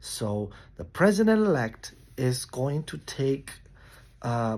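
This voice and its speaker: A man with a Romanian accent, medium pitch, very wide pitch swings and a very slow pace. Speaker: band member. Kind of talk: video statement.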